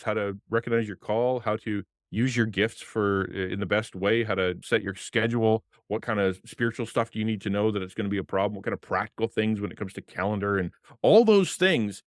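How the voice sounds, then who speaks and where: Deep-voiced passionate man on a podcast. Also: no room sound, clean studio sound. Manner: passionate, animated, gestures with hands. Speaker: podcast guest, former pastor. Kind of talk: casual interview talk. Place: home streaming room with colored lights. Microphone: desk podcast mic on arm, headphones.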